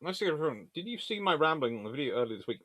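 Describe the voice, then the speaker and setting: A man's voice: fairly high pitch, big pitch swings, racing, fairly bright tone, a little hiss or hum. A man hosting a casual question-and-answer session, rambling and hesitant as he thinks aloud. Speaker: host answering viewer questions.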